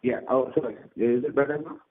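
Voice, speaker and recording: A man, an analyst dialing into a conference call, puts his questions to the others with polite formality. His voice comes through a thin, phone-like line that cuts out and breaks up in choppy fragments. His pitch sits in a middle range. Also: brisk, husky. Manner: polite, addresses others as sir and ma'am. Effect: choppy audio breaking up on a phone line.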